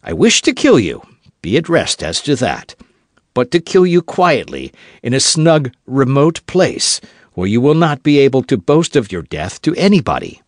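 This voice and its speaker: A man voicing a suave, cool-headed young musketeer with a churchman's calm, talking low and measured with a dry, mocking edge. His phrasing still rises and falls widely, read on a dry, close mic. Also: dry recording. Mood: wry, composed. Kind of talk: audiobook character voice.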